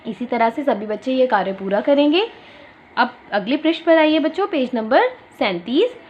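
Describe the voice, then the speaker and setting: High, lively woman teaching young kids. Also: slight background noise. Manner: slow drawn-out syllables, asks and answers her own questions. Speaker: primary school teacher. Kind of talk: online class lesson. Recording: dull lo-fi sound.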